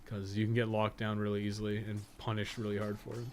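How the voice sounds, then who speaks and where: This podcast co-host and game guide writer has a lowish, monotone voice and talks quickly. He gives casual gameplay commentary, musing aloud, asking himself questions and drifting into asides.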